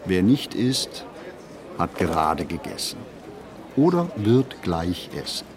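A man reads a reflective literary monologue for a radio play, phrasing deliberately and expressively with pauses. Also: sits low, very animated, a crowd in the background.

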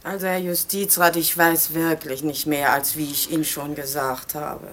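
An actress playing a plain-spoken village maidservant in a radio crime drama, colloquial and matter-of-fact. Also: female voice, low-pitched, level tone, normal speed. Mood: plain, slightly impatient. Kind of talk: German radio play acting.

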